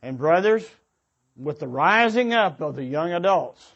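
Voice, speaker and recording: A man with a somewhat high voice gives an informal sermon in an earnest, exhorting way. He moves haltingly through his points, repeating and rephrasing as he goes. The recording is dull and a little muffled. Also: expressive, creaky, a bit bright. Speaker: preacher addressing young adults at a church gathering.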